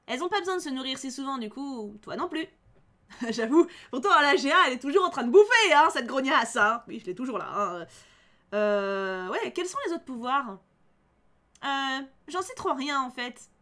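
A young woman streamer giving casual game commentary in an animated, teasing, chatty way. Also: high-pitched, normal speed. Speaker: let's player and streamer.

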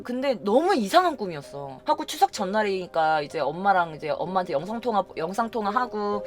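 A young woman streamer telling personal stories in casual, emotional chat from her home streaming room, acting out the lines she quotes from herself. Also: mid-range voice.

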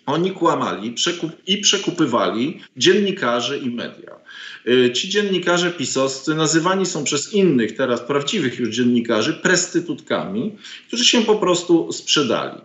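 A man's voice: fairly high pitch, very animated, normal speed, a bit bright. Middle-aged male guest, hesitant and indignant, full of ums, roomy dull webcam sound. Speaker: guest commentator, professor. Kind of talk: political interview over video call. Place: home study with bookshelves. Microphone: video call webcam. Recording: roomy, dull lo-fi call audio.

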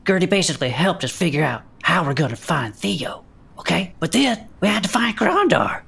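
A folksy woman co-host recaps a story in a low, creaky voice. She is chatty and conspiratorial, with lively swings in pitch. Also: normal speed. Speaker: co-host and player.

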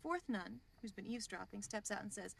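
Foul-mouthed crew leader. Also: female voice, mid-range voice, lively intonation, brisk, vocal fry, slightly rough, heavily acted. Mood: amused. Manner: profane, bossy, tells a joke. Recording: voice a bit off-mic.

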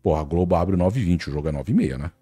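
Animated husky Brazilian man. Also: sits low, quick pace. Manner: animated, acts out quotes of colleagues. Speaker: TV sports presenter as guest. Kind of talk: casual podcast chat.

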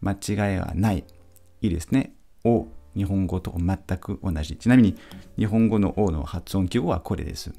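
A male teacher giving a patient pronunciation lesson, repeating each sound slowly for practice. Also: sits low, gravelly, mellow, faint music behind. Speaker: French teacher.

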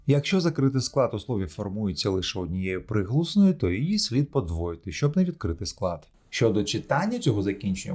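Man teaching a lively pronunciation lesson. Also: lowish voice. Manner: explaining patiently, repeating word examples in drills. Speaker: English teacher. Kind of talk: recorded grammar lesson.

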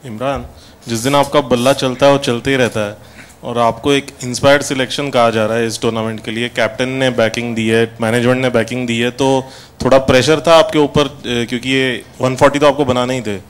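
Reporter, mid-pitched, complimentary question. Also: male voice, steady tone, fairly quick.

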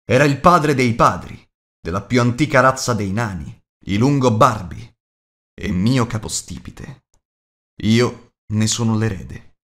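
A man's voice: fairly low pitch, animated, a little slow, a bit bright. Man voicing a proud, emphatic dwarf lord. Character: proud, solemn male dwarf lord of ancient lineage.

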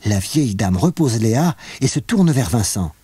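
Expressive, husky male storyteller. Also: mid-range voice, moderate pace, no echo. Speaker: narrator. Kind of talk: children's audiobook storytelling.

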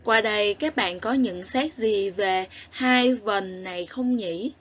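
Lady teacher with a southern vietnamese accent, talks real slow to little kids, spells stuff out, kinda dull muffled audio. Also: medium pitch. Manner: clear, drawn-out spelling aloud, gentle questions and praise. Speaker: primary school teacher. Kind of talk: slow recorded lesson for young children.

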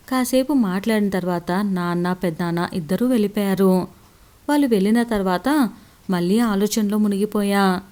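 A woman's voice: mid-range voice, dark tone. A woman narrating a romantic story in the first person, in an intimate, emotional storytelling manner.

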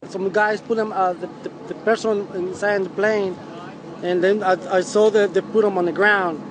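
A middle-aged man giving a halting eyewitness account in an unscripted street interview. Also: high voice, fairly even intonation. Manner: halting, repeats words. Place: outdoors, roadside with trees. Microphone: handheld reporters' microphones. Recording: noisy outdoor news interview.

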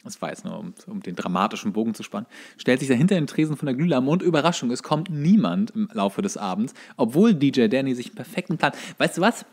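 A man's voice: mid-range voice, very animated, fast talker, hardly any pauses. A man co-hosting a casual chat podcast, telling anecdotes in a wry way with dramatic build-up. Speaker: podcast co-host.

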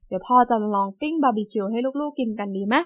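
A woman voicing a clumsy, easygoing father who talks slowly in a lowered voice. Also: natural voice. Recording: tinny phone-like sound.

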